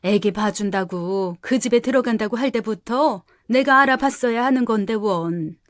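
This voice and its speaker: A scolding old aunt with a coarse, grumbling tongue, as a woman acts her out. The voice sits a little high and sounds close and dry, with no room around it. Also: normal speed, no room sound, lightly acted. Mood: indignant. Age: older. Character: woman playing the aunt, older, blunt and scolding.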